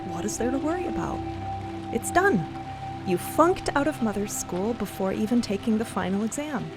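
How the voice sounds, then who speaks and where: High-voiced earnest young woman played by an actress. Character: Cleo, young woman, earnest, fiercely loyal, teasing friend. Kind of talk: dramatic audio fiction acting, conversational. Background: music and rain sounds.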